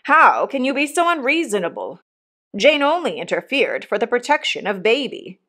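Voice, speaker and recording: A woman voicing an exasperated middle-aged gentleman in a storybook, a helpless father exclaiming in despair. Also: a little high, sing-song, moderate pace, pitched above the performer's own voice. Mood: remonstrating.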